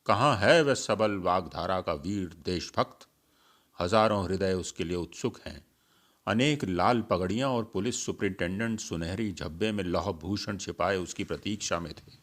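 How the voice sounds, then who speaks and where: Deep, slow male storyteller. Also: fairly bright tone. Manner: formal, literary delivery. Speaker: storyteller and channel host. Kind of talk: scripted story narration.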